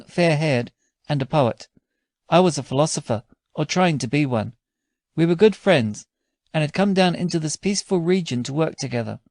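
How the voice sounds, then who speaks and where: Gravelly, higher-pitched male audiobook narrator. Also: darkish tone, no echo, studio quality. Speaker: audiobook reader. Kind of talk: measured literary story narration.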